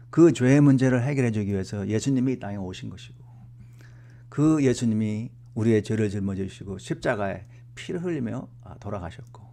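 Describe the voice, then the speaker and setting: A man's voice: on the low side, creaky, warm tone. A male pastor preaching, telling a personal story and acting out the dialogue.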